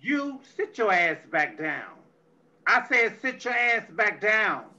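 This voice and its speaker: Brief: woman as a brash, bright-voiced, drunk, foul-mouthed tech crook; menacing swagger; lo-fi audio drama. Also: medium pitch, big pitch swings, slow, exaggerated voice. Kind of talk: amateur audio drama reading. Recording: dull lo-fi audio.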